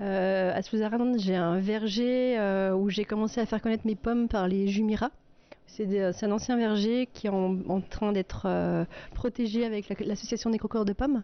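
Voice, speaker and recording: A woman's voice in a flat monotone, with very even loudness throughout. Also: fairly high pitch for a woman, moderate pace. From Munster valley, Alsace, France. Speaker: apple grower and oil producer. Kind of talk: casual chat. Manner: halting.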